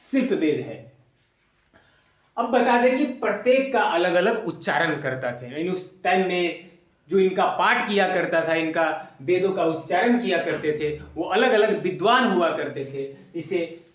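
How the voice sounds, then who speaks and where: Slow, lively man teaching in an echoey room. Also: sits high, far from the mic, dull audio. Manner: asks a question, then repeats the answer slowly. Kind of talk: exam coaching lesson. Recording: echoey room, voice away from mic.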